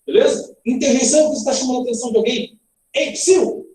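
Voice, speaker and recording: A man teaching a recorded grammar lesson in a lively, playful way, quizzing his students with questions. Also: extremely high pitch, rapid-fire, slight background noise. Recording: roomy echo, heard from a distance.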